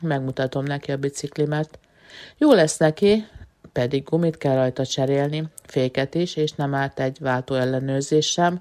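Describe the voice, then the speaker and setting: A woman is speaking. Her pace is fairly slow. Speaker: writer. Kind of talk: reading aloud.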